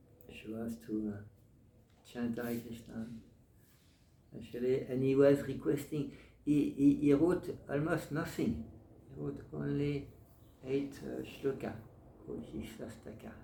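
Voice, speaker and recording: With a French accent, a man speaks somewhat breathily in a dark, mellow tone at medium pitch and a fairly slow pace, with ordinary pitch variation, big swings in loudness, long, frequent pauses and audible room echo. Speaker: Hare Krishna monk and lecturer. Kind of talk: scripture lecture to devotees. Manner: halting, with many fillers.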